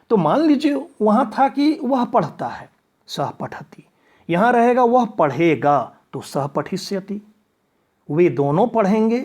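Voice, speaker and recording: Husky man explaining Sanskrit grammar. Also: high-pitched, darkish tone. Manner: patient step-by-step explaining, reciting verb forms. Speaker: Sanskrit teacher. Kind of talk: classroom grammar lesson.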